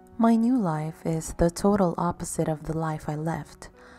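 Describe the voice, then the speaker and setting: With music playing in the background, a woman speaks calmly at a fairly slow pace in a fairly low pitch. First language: not English. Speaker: painter. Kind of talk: vlog voice-over narration. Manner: calm, reflective.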